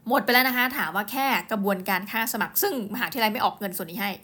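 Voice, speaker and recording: Woman, host, casual personal storytelling, animated and chatty, mid-pitched voice, quick exclamations, talks straight to listeners. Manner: chatty, animated, often addresses listeners directly.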